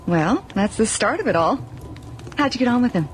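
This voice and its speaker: An actress playing a chatty, uneasy young city woman, a student who talks haltingly, in old-time radio drama style. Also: a little high, big pitch swings, slight background noise. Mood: chatty, nervous. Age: young adult. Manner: talkative, hesitant, halting.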